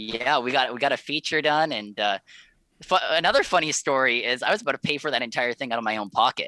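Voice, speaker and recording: A man with a Western Canadian accent and a medium pitch talks at a very fast pace in a bright, sharp tone, the sound dry and close with no echo on a very clean recording against a silent background. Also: ordinary pitch variation. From Alberta, Canada. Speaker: filmmaker and actor. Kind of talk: casual chat. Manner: animated.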